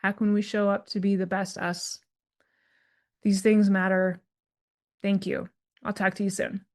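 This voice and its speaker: A woman's voice: mid-range voice, level tone, measured pace, a little mellow. Chatty woman hosting a solo podcast. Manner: chatty and candid, full of fillers and asides; self-described introvert. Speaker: podcast host and career coach.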